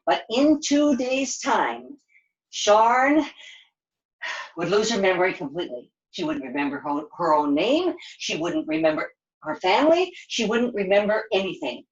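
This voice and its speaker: Animated woman storyteller with swooping pitch. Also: a little slow, highs cut off. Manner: dramatic, emphatic, repetitive. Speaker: puppeteer storyteller. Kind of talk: live children's storytelling.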